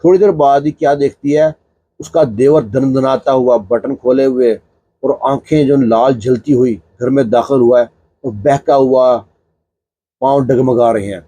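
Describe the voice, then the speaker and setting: Husky-voiced man telling a story. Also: medium pitch, fairly even intonation, dark tone, no room sound. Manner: conversational, filler-laden narrating. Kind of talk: casual spoken storytelling.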